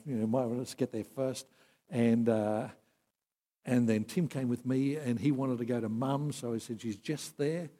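A man preaching a sermon, earnest, swinging from emphatic peaks to soft, quiet passages. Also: medium pitch, husky. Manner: earnest, rising to emphatic then dropping soft. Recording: long hall reverb.

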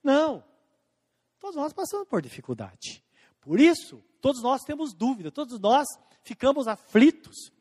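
High-voiced preacher in a reverberant hall. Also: male voice, sing-song, a little mellow, breathy edge. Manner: preaching with emphatic rising and falling delivery, slowing on scripture quotes. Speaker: pastor. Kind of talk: sermon.

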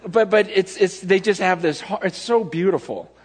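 Preaching as pastor, a man with a high-sitting voice speaks at a moderate pace under the long reverb of a big hall. His personal stories wander, with self-interruptions that lose the thread before he circles back.

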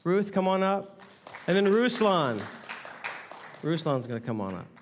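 A man preaching to his congregation as pastor, talking in a casual, animated way. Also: high voice, measured pace, a little hiss or hum. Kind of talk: sermon. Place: church sanctuary. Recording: long hall reverb.

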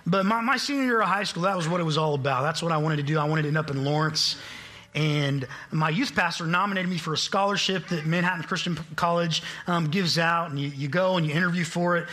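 A man's voice: fairly high pitch, fast, pushed and bright. A man in his late twenties from Kansas, a guest preacher giving an upbeat, joking sermon to a church congregation. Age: late 20s. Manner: upbeat, self-deprecating, joking. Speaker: guest preacher, college admissions staff. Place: church sanctuary.

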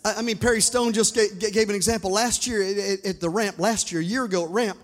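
Guy preaching loud, really high voice, big church reverb, half singing half shouting at the crowd. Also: fairly even intonation, fast talker. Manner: fervent preaching with shouts and sung phrases; calls on the congregation for responses. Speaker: pastor. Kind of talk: sermon. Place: church sanctuary.

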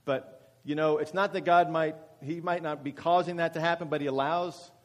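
A man in his forties speaks as a guest at a church, chatty and self-deprecating, stumbling over his words now and then. His voice sits a little high for a man. The room rings with a long, hall-like echo. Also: steady tone, normal speed. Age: 40s. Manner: chatty and self-deprecating, with frequent fillers and restarts. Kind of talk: testimony talk to a congregation.

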